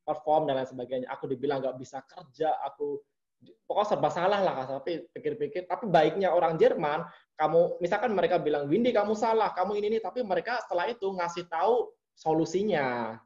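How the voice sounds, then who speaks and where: Animated man telling workplace stories. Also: on the high side, a little fast. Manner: animated storytelling, acts out quoted bosses. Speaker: interview guest. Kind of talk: casual interview chat. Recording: muffled lo-fi audio.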